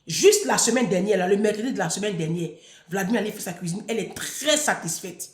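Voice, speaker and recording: A woman's voice: medium pitch, brisk, echoey room. A woman talking straight to her followers in an unscripted monologue, scolding them emphatically and repeating words for effect. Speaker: online personality addressing followers.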